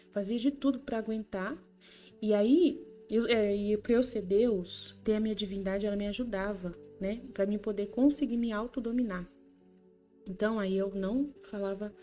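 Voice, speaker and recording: A woman speaking as Jesus, a gentle male divine figure, in a tender, reassuring way with her own voice. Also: mid-range voice, lightly acted. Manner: tender, reassuring, addresses listener by name.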